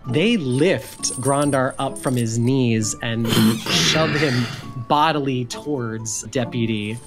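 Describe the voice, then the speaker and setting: A woman's voice: very deep voice, takes it slowly, over music. A woman with an American accent narrating a tabletop game as game master.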